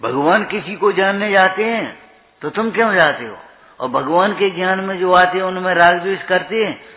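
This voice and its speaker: A man giving a spiritual discourse, chanting verses slowly and then explaining them in a questioning, chiding way. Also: sits high. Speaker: preacher. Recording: tinny phone-like recording.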